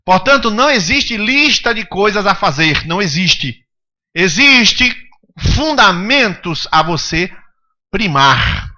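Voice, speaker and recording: A pastor preaches a sermon to his congregation in a high, bright voice, very animated yet slow, hammering his points with emphatic rhetorical questions. The church-service recording sounds dull and lo-fi.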